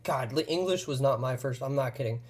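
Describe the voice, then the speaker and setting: A man whose first language is Russian, chatting casually and crudely on a live stream, rambling with lots of swearing. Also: mid-range voice. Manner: rambling, halting with fillers.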